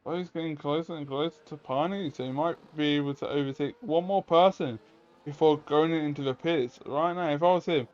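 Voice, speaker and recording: A man works as a motorsport commentator, calling a race play-by-play in a fairly high voice. He follows each move and poses rhetorical questions as he goes. The audio is slightly dull and lo-fi. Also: brisk, a little mellow. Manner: running play-by-play calls mixed with rhetorical questions.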